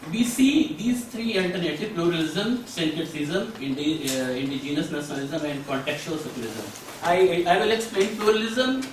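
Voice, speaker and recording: A middle-aged man with an Indian accent giving a halting academic presentation in a classroom. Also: fairly high pitch. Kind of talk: conference presentation with slides. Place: small classroom, seated at a desk. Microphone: far camera. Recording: echoey room, distant mic, faint noise.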